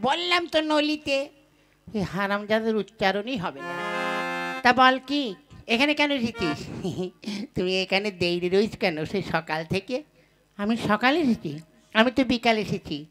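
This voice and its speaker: A woman voicing the proud young daughter of a rich landlord in a puppet show, scolding and quick to take offence. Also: medium pitch, expressive, faint music behind, natural voice. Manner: sharp-tongued, scolding.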